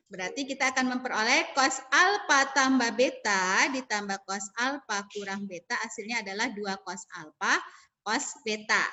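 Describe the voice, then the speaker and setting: A woman's voice: sits high, bright, forceful tone. A woman teacher, leading an online math class over a video call, calling on students by name and walking through formulas step by step.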